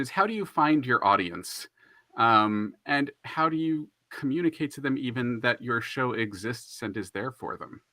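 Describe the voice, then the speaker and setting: A man's voice: on the low side, pushed and bright, no room sound. A man moderating a panel conversation, phrasing his questions in a thoughtful, hesitant way.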